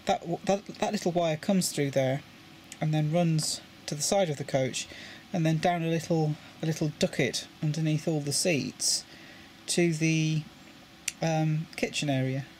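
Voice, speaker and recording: At a table with his model railway indoors, a man with a British English accent casually shows how he lit his coaches, frequently repeating words while handling components. He speaks at a measured pace in a darkish voice on the high side, with slight background noise.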